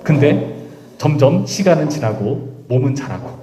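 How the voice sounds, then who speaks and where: A man preaching to a church youth group, his tone dark and relaxed. He keeps speaking directly to his listeners and acts out the figures in the passage. The sound is roomy, full of church echo. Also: a little high, a little slow, slight background noise. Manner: addresses listeners often, acts out voices of God and Moses. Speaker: pastor. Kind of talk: youth service sermon. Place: church sanctuary.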